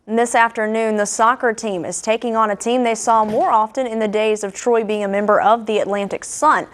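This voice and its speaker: A young woman gives the sports segment in a fairly high voice. She runs through scores and schedules at a brisk, upbeat clip. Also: steady tone. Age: young adult. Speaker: sports reporter. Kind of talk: sportscast reading.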